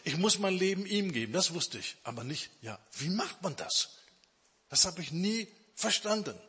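A man preaching a sermon testimony, emphatic, stretching some phrases out slowly. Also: high-pitched, sing-song, bright, forceful tone, slightly rough. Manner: emphatic, with slow drawn-out phrases. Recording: long hall reverb.

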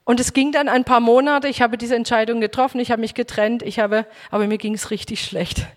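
A woman preacher giving a personal testimony sermon, emotional and halting, with frequent restarts. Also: fairly high pitch, fairly even intonation. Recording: echoey hall reverb.

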